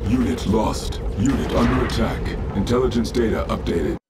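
A man voicing an impassive military battle computer that gives clipped, flat status announcements in a strategy game. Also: fairly low pitch, normal speed, natural voice. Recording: loud music and vehicle noise behind. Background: loud game music, vehicles.

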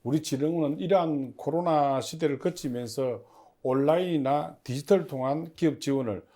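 With a slightly high, dark-toned voice, a man leading a public agency responds to an interview in a formal, somewhat halting way, as if partly reading prepared notes.

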